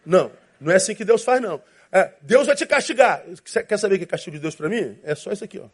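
A pastor preaches a sermon in an animated, playful way. His voice sits a bit high for a man, and he slips into little acted-out voices to make his points. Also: rapid-fire, slightly rough. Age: 50s.

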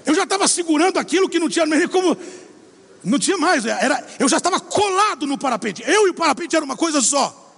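A middle-aged man preaching a sermon, telling a story with lively acted-out dialogue. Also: extremely high pitch, fast talker, vocal fry. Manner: animated storytelling, acts out dialogue. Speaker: pastor. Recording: long hall reverb.

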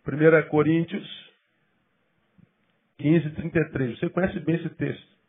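A male pastor preaching a sermon, emphatic and then dropping to quiet asides. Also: on the high side, steady tone, breathy edge, narrow, tinny audio. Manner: acts out quoted people in quick bursts.

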